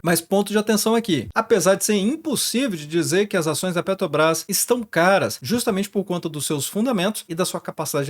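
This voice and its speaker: Brazilian guy, highish voice, breaking down stock charts for his channel. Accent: Brazilian Portuguese. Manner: explanatory, walks through charts and figures. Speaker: finance channel host. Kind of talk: stock market analysis commentary.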